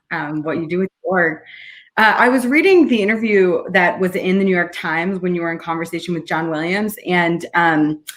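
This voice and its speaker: Woman on a video call asking an author something, polite n casual, lowish voice. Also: a bit bright. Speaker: audience member asking a question. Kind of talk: polite, informal question to an author.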